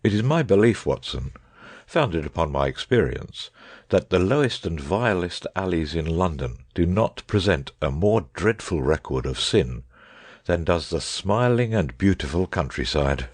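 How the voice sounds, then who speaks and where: A man reading the lines of a grave, lecturing male detective in an audiobook, in a husky voice, measured and darkly earnest. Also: sits low, big pitch swings, no room sound, studio quality, voice pushed down, heavily acted. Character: grave, brooding male detective, middle-aged.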